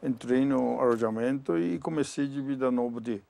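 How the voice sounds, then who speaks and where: An older man from Japan speaking Portuguese with a Japanese accent, talking haltingly with many fillers in a documentary interview. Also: mid-range voice, creaky, noisy background. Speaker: retired judo champion.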